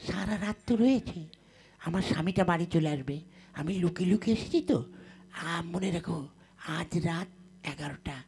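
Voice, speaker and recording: A woman's voice: on the low side, lively intonation, fairly quick, vocal fry, pauses often, warm tone. A woman playing a sly married village woman in a folk puppet comedy, coy and coaxing but bossy. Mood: coy, flirting. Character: sly married village sister-in-law, coyly flirting and scheming.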